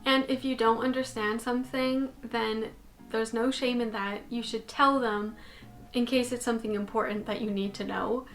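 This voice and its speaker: With faint music behind her, a young Canadian woman chats at a normal speed in a slightly high voice. She's vlogging talking-head style from her bedroom, hand gestures and all, filmed by a desk-distance fixed camera.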